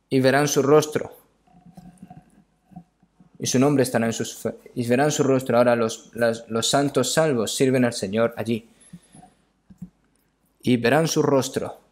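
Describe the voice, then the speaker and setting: Man preaching in halting phrases. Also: mid-range voice. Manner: halting, repeats phrases, often adds questioning tags. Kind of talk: sermon with scripture reading.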